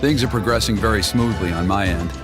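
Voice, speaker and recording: A man voicing a smooth-talking, flattering male tribal elder who persuades the heroes in a game. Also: lowish voice, fairly quick, natural voice. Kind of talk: game voice acting. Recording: game music behind.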